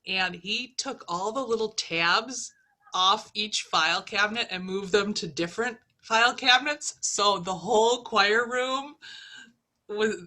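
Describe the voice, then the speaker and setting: Bright-toned middle-aged woman, animated storyteller in a casual chat. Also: medium pitch, a little slow. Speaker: flosstube co-host.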